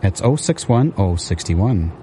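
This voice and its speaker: A man calling bingo numbers on local radio, repeating each one slowly and steadily. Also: low-pitched, expressive, dark tone, slight background noise.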